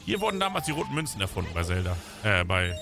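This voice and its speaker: A man's voice: on the low side, sing-song, quick pace, gravelly, over music. A man doing casual gaming commentary as he plays, talking in a crude, joking, colloquial way. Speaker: co-host and player in a gaming let's play.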